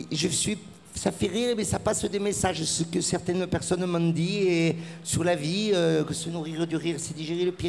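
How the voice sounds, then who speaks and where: A man with a southern French accent speaks at a moderate pace. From southern France. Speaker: comedian. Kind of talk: casual interview. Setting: festival dressing-room studio. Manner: animated.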